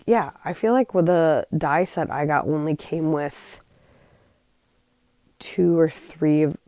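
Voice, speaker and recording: Low-voiced woman rambling about crafts. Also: a little mellow, no echo. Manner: rambling, chatty, trails off and corrects herself. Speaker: scrapbooking channel host. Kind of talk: casual craft voice-over.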